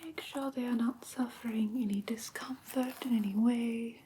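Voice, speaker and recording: A woman playing a gentle, prim vampire teacher in whispered ASMR roleplay, breathy and careful, close to the microphone. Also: fairly high pitch, steady tone, normal speed, slight background noise, close to an everyday voice. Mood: calm, attentive. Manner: soft, careful, instructive, politely formal. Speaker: ASMR performer.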